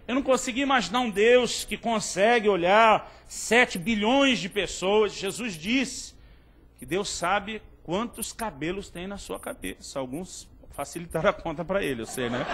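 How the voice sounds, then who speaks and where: A man's voice: sits high, slight background noise. A middle-aged Brazilian man preaching a sermon with a Brazilian Portuguese accent, telling stories with humor and acting out dialogue. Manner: humorous, animated, acts out dialogue. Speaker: pastor. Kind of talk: sermon with storytelling.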